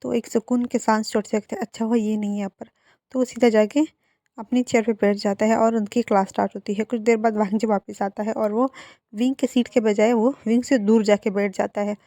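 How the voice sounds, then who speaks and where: A woman chats through a fan fiction plot like a casual storyteller, leaning on filler phrases. Her voice is high and warm rather than bright. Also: level tone, fairly quick.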